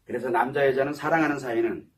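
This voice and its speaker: A man's voice: mid-range voice, steady tone, fast talker, distant mic. A man giving a psychology lecture to an audience, asking rhetorical questions and answering them himself.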